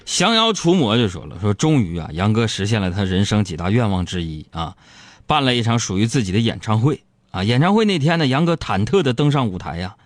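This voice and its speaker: A man hosting, telling listener jokes in a comic storytelling style, animated and quick to laugh at his own punchlines. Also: medium pitch, dry recording. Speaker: host reading listener jokes.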